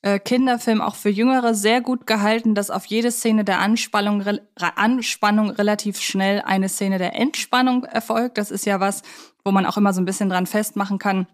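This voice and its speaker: A woman's voice: mid-range voice, steady tone, moderate pace. A woman co-hosting a podcast in a studio, discussing films casually in an enthusiastic, reflective way.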